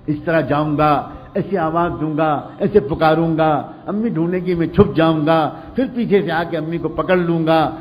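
A man's voice: fairly high pitch, hardly any pauses, big-room sound, lightly acted. A man preaching in Urdu gives voice to a small homesick boy who calls eagerly and pleads to be let in. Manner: excited, pleading child's calls.

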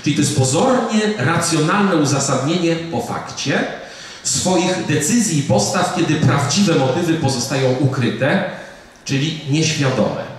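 A middle-aged man gives a public lecture in a museum hall, talking conversationally and checking in with his listeners. His voice sits a little high for a man. He is picked up from some distance, with a strong echo off the room. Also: expressive, measured pace. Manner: conversational, with fillers and rhetorical "prawda?". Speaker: psychiatrist giving a public lecture. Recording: echoey hall, speaker far from the mic.

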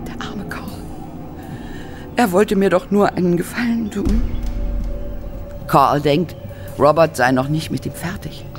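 Woman playing a haunted actress, halting and dramatic. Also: fairly low pitch, faint music behind, natural voice. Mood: bitter, agitated. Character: embittered Hollywood actress confessing a frightening past. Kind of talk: German horror radio play acting.

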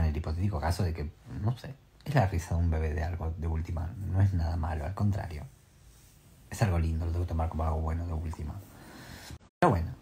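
A young Argentine man with a deep, very low voice, talking to his followers in a casual vlog. He is nervous and shaken, and he is theatrical and jumpy, suddenly leaping into squeaks and laughter. A faint hiss sits behind him. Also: vocal fry, mellow. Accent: Rioplatense Spanish. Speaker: vlogger. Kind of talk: casual chat to the camera.

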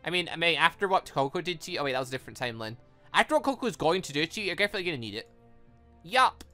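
Animated, bright-voiced gaming commentator. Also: mid-range voice, very fast. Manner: animated, chatty and rambling. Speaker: gaming video host. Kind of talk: casual playthrough commentary. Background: background music.

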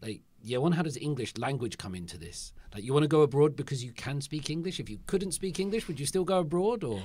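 A man's voice: a little high, animated, fast talker, darkish tone, slightly rough, dry recording. A man hosting a casual discussion, chatty and curious, asking follow-up questions. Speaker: host.

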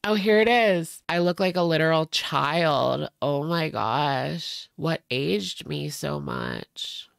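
A woman's voice: low-pitched, slow pace, vocal fry, few pauses, no echo, studio quality. A young woman hosting a reaction video with casual, sarcastic commentary, a little stuffy-nosed. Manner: sarcastic, chatty. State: stuffy nose.

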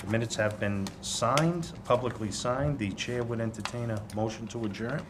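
A man chairing a licensing board meeting, reading motions in a measured, procedural way. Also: mid-range voice. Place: city hall hearing room. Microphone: table microphone. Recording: noisy government TV meeting audio.

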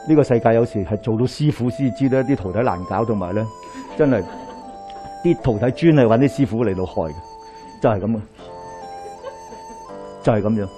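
A middle-aged man with a Hong Kong Cantonese accent, a Daoist priest giving a lecture to a live audience, telling stories with lively rhetorical questions as he moves about. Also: mid-range voice, fairly quick, pauses often, music in the background. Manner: animated storytelling with rhetorical questions, pacing while gesturing. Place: small lecture hall indoors, in front of a screen.

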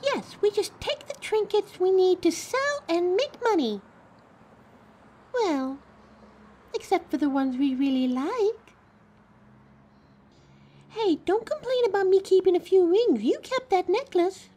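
A woman's voice: extremely high pitch, lively intonation, a little slow, pauses often, dark tone. A woman playing a flustered, defensive young thief with electric powers in an audio drama, chatty and indignant. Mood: scheming, defensive. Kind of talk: scripted audio drama, one side of a phone call. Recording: clear background noise, coffee house ambience.

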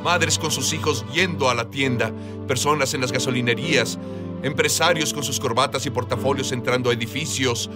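A man giving an earnest, emphatic testimony as a guest in a dubbed interview, recorded as a studio voice-over with music underneath. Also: on the high side. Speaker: guest telling of a vision.

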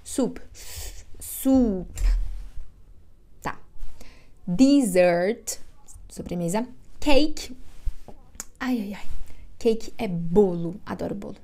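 A Brazilian woman in her thirties teaching an online English lesson. She says each word slowly, draws it out and repeats it, recorded on a webcam at a desk in a room at home. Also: mid-range voice, lively intonation, mellow. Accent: Brazilian Portuguese. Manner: slow, drawn-out modeling of words, repeating each one.

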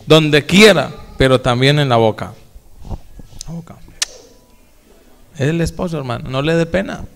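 Speaking at a measured pace in a fairly bright, gravelly, higher-leaning voice, a male pastor gives a folksy sermon in church. He talks casually and questions the congregation directly, his words ringing through an echoey hall with long reverb.

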